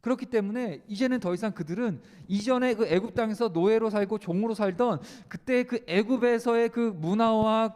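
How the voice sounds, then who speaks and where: Male youth preacher, high register, chatty sermon full of questions and fillers, long church reverb. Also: a little mellow. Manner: conversational, asks the youth questions and answers them, many "uh" fillers. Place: church sanctuary.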